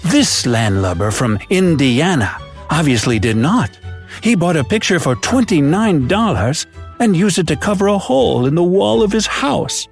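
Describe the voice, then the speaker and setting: A boastful old pirate spins treasure yarns in a hammy, drawling pirate brogue, as a man puts him on. His pitch leaps and dips all over, sitting fairly high. Faint music plays under the narration. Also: big pitch swings, moderate pace, creaky. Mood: jolly. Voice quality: pirate slang, theatrical drawl. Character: old male pirate storyteller, boastful and greedy. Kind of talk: scripted narration.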